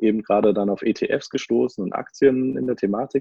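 A man with a fairly low pitch. He has a plain, everyday voice. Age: 20s. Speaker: finance content creator and employee. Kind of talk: interview.

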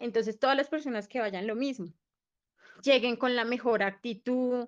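Against a quiet background, a woman with an ordinary speaking voice talks in a fairly high pitch with fairly even intonation. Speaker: participant asking about immigration. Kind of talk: group voice chat question.

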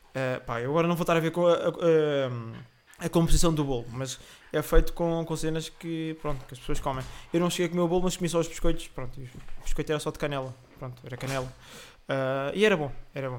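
A fairly quick, fairly high-pitched male voice. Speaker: podcast host. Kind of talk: casual monologue. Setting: home. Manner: animated, hesitant fillers.

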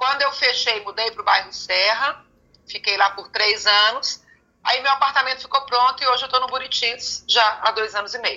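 High-pitched, fairly even speech from a woman at a moderate pace. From Brazil, Belo Horizonte. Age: 40s. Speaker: life coach and consultant. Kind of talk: radio interview.

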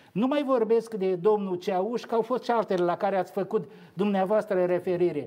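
High-pitched for a man yet dark and mellow in tone, this voice keeps very even loudness, a moderate pace and ordinary pitch variation. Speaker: politician. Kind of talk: heated debate. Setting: studio.

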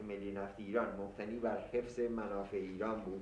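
Moderate-paced speech from a man amid noticeable background noise and audible room echo. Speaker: oral history interviewer. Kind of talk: oral history interview. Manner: formal.

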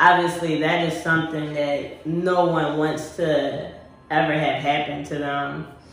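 The speaker has an American accent and talks at a fairly slow pace. Noticeable background noise runs underneath. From Philadelphia, US. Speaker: YouTube vlogger. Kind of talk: casual solo talk to camera.

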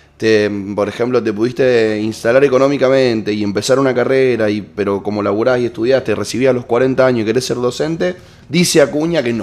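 An unremarkable speaking voice from a man, medium in pitch with ordinary variation, at a fairly quick pace. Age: 20s. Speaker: radio host. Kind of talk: casual chat.

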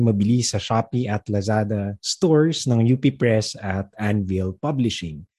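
Against a quiet background, a man with a dark, mellow tone talks at a moderate pace with lively intonation, the sound dry and close with no echo. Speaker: podcast host. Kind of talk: scripted outro; interview.

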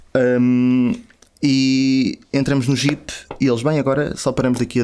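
In a European Portuguese accent, a man speaks at a medium pitch with monotone, flat intonation. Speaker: traveller. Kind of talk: casual chat.

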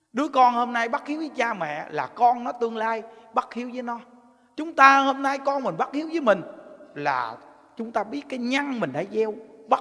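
A man with an extremely high voice talks at a moderate pace, pausing long and often. Noticeable background noise sits behind him. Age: 60s. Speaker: Buddhist teacher giving a dharma talk. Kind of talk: dharma talk. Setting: temple hall with audience.

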